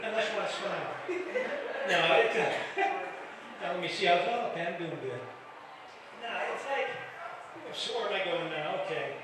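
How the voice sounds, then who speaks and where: A man's voice: high-pitched, animated, moderate pace, pauses often. Man, older, from Detroit, stand-up comic, stumbling restarts, echoey live club recording, noisy room. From Detroit area. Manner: self-deprecating, stammering restarts, banters with the crowd. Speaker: stand-up comedian. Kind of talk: stand-up comedy set. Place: comedy club stage. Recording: echoey club from far off, crowd noise.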